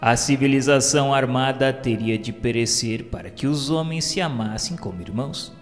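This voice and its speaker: Brazilian guy doing solemn religious radio narration, slow, super reverby w music behind. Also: medium pitch. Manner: solemn, formal, measured delivery. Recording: long reverb, music underneath.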